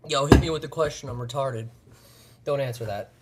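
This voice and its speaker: A man's voice: medium pitch, very noisy. A man whose first language is Russian, chatting casually and crudely on a live stream, rambling with lots of swearing. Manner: rambling, halting with fillers.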